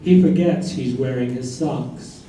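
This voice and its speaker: A man's voice: medium pitch, unhurried, mellow, close to an everyday voice. A man reading narration and supporting parts in a staged play. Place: live staged reading in echoey room. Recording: very echoey room, distant, faint noise.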